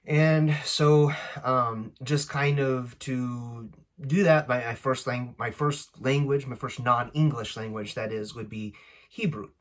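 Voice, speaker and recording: Casual man introducing himself, halting delivery. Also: mid-range voice, steady tone. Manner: halting, searching for words. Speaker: language-learning channel host. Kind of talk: casual unscripted introduction to camera.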